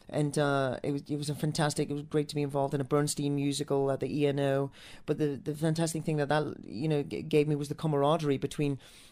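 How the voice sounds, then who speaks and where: A fairly high-pitched man with an American accent speaks at a very fast pace in monotone, flat intonation. The recording is very clean with a silent background. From Newcastle, northern England (Irish roots). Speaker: musical theatre actor and singer. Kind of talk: interview. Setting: restaurant. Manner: halting, many repetitions and fillers.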